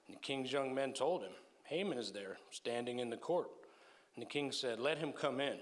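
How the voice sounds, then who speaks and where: Brief: Texan man, church scripture reader, steady and unhurried. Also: mid-range voice. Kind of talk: Bible reading in church service.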